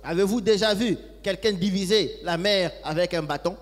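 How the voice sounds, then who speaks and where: A man with a slightly high voice interpreting a preacher line by line. He keeps close pace with each phrase and sometimes hesitates. A long hall echo follows his words. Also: normal speed. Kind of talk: live sermon interpretation. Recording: echoey hall.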